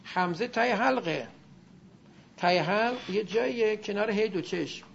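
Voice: mid-range voice, vocal fry, highs cut off, slight background noise. A teacher giving a classroom lesson on Arabic grammar and pronunciation, demonstrating sounds aloud and quizzing the class.

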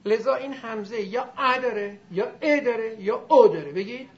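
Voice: medium pitch, highs cut off. A teacher giving a classroom lesson on Arabic grammar and pronunciation, demonstrating sounds aloud and quizzing the class.

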